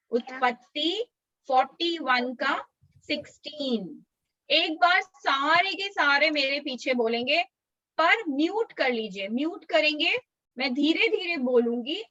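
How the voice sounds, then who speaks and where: A woman's voice: high voice, fairly bright tone, no room sound, dull audio. A woman teaching a Sunday school class for young children over a video call, coaxing them and drilling a verse line by line. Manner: coaxing, slow drilled recitation for small kids.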